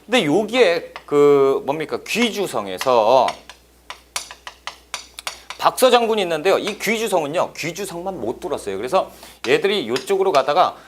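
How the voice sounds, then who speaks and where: High-voiced, animated male history lecturer. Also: moderate pace, a little hiss or hum. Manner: playful, jokey storytelling with sound effects. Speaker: Korean history exam lecturer. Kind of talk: lively lecture with acted-out scenes.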